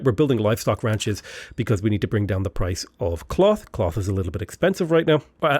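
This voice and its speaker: A man's voice: mid-range voice, darkish tone, breathy edge, no room sound. A man with a stuffy, slightly unwell voice, chatting casually and explaining a strategy game step by step, thinking aloud as he goes. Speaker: game tutorial host. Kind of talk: casual gameplay commentary.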